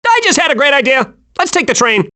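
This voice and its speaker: A man voicing an excitable, scatterbrained, cheerful young male squirrel with a childlike, eager delivery in an animated video game. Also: very high voice, quick pace, exaggerated voice. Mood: earnest, scatterbrained.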